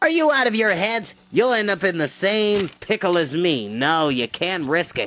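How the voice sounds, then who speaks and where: A man's put-on character voice, gruff, croaky and hoarse, at a moderate pace. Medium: read story. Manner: gruff, irritable.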